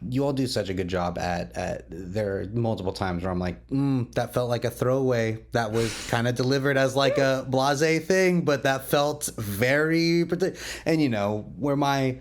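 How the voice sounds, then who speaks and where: A man's voice: mid-range voice, normal speed, hardly any pauses. A man moderating a casual roundtable, rambling enthusiastically and often interrupting his own questions. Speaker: podcast moderator and lore keeper.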